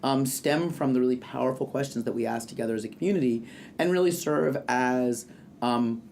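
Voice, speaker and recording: A man's voice: mid-range voice, fairly quick, vocal fry, darkish tone. Earnest American man, reflective, faint background noise. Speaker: educator. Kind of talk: reflective interview talk.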